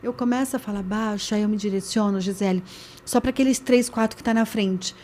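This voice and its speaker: A woman's voice: medium pitch, quick pace, darkish tone, slight background noise. A woman hosting a podcast, talking emphatically and listing her points one by one. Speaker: podcast host. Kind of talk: casual podcast conversation.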